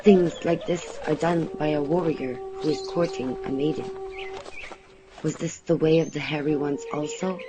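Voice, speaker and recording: Man narrating as a higher-pitched young maiden storyteller, noisy track. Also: natural voice. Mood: wondering. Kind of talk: first-person audio drama narration.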